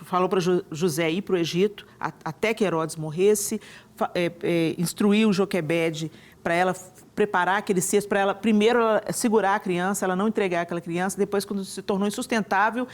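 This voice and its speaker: A woman's voice: mid-range voice, fairly even intonation, brisk. A woman hosting a TV talk show from a studio, speaking enthusiastically with frequent restarts and tag questions. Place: television studio.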